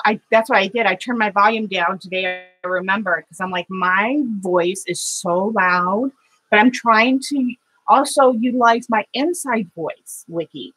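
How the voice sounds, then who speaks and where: A middle-aged woman hosting a live watercolor painting stream, chatting with viewers between steps in a loud, halting way full of fillers. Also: mid-range voice, breathy edge, poor audio. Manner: loud voice by her own account, halting with fillers and restarts. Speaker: watercolor livestream host.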